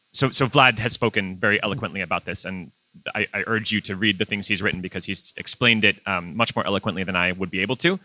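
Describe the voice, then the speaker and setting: A man with a loud voice who talks frankly and emphatically in a live panel discussion, restarting his sentences often. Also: on the low side, no room sound. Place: conference venue.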